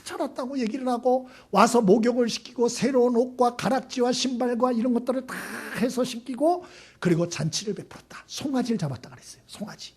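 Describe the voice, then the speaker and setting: A man's voice: very high voice, brisk, hardly any pauses, darkish tone, slightly rough. A man, a pastor, preaching a Sunday sermon in a conversational way, putting questions to the congregation and acting out the people in his stories.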